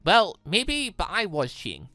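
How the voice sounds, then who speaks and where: A man voicing an earnest, anxious, tender-hearted young android girl in a visual novel, halting and emotional. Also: high voice, wildly swooping pitch, pushed and bright, no room sound, faint music behind, heavily acted. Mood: apologetic.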